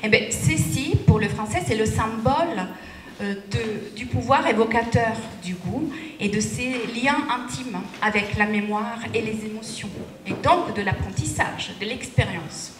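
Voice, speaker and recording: A middle-aged woman delivers a conference talk, slow and deliberate, often checking in with her listeners. Her voice is somewhat high. The sound is roomy and heard from a distance, with faint noise behind it. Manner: deliberate, asks the audience rhetorical checks. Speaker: conference speaker. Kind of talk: lecture presentation. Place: conference room at a lectern. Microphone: handheld mic. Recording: echoey room, distant capture, faint noise.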